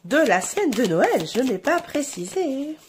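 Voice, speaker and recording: A woman's voice: sits high, very animated, slight background noise. A French woman with a cold and a stuffy nose, giving a casual tarot reading, hesitant with many fillers. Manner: slow, hesitant, many fillers, addresses viewers warmly as her "essentiels". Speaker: tarot reader. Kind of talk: casual tarot guidance vlog.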